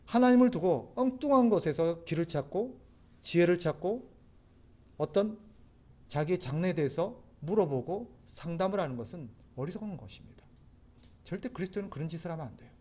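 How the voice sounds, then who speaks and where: High-voiced Korean pastor preaching earnestly. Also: male voice, animated, fairly quick, mellow. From South Korea. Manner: earnest preaching, rising to pleading urgency. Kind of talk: sermon.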